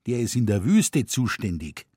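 A man reading aloud plays a gruff, laconic Munich husband in broad Bavarian dialect. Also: on the low side, big pitch swings, moderate pace, mellow, dry recording, studio quality.

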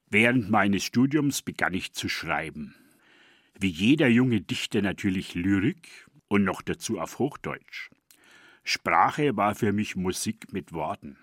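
A man, a dialect poet reading a personal radio essay in a measured, deliberate way. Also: low-pitched, a bit bright, slightly rough, no room sound, clean studio sound. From Franconia, Germany. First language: East Franconian dialect.

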